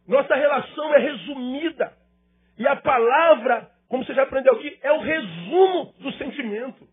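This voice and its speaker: A male pastor delivers an emphatic sermon, driving points home with rhetorical questions and repeated phrases. His voice sits very high and sounds husky and breathy. The live recording is dull and lo-fi. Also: normal speed.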